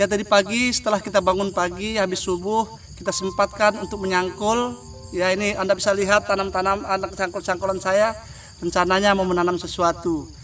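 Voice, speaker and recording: A man with a high pitch talks at a fairly quick pace with fairly even intonation. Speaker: spiritual teacher. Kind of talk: religious talk. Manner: halting.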